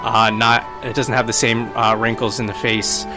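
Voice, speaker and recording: Measured, dry man over background music. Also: medium pitch, flat delivery. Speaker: player in a tabletop game. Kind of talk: describing his roleplaying character.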